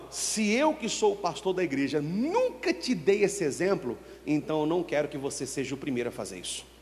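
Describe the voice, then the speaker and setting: Brief: male pastor from Brazil, high voice, dramatic sermon delivery, long hall reverb. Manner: preaching with sudden swings of pitch and loudness, acting out church members. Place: church hall.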